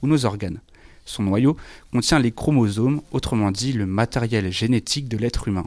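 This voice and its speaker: A man speaks in a plain, everyday voice at a medium pitch and moderate pace with ordinary pitch variation. The recording is very clean, with a silent background. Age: young. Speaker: civic service volunteer, columnist. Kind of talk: scripted science column. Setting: recording in a care home.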